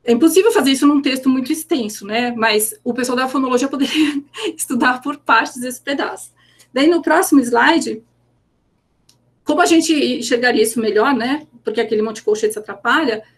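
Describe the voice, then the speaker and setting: A woman's voice: sits high, normal speed, slightly rough. A young Brazilian Portuguese-accented woman giving an academic conference presentation over a video call, explaining her work step by step and often stopping to repeat words as she thinks.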